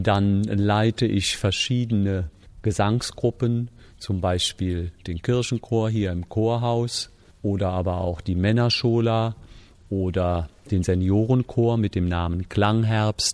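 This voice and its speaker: A man's fairly low voice at a very slow pace, fairly even in intonation, on a very clean recording with a silent background. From Zell an der Mosel, Rhineland-Palatinate, Germany. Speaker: church organist. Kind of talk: interview and demonstration for children. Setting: church.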